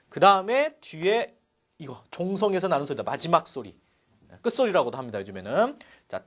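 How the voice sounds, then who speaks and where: A middle-aged man teaching a Korean language lesson, explaining step by step and checking in with his students as he goes. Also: fairly high pitch. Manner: lively explaining, frequent "자" and rhetorical checks. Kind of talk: classroom lecture.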